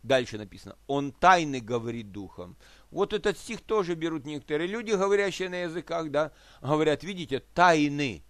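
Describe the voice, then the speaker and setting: A man's voice: on the high side, expressive, a little fast, a bit bright, no room sound. A man preaching a sermon, explaining scripture with worked examples, rhetorical questions and checks that his listeners follow. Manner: asks listeners for agreement.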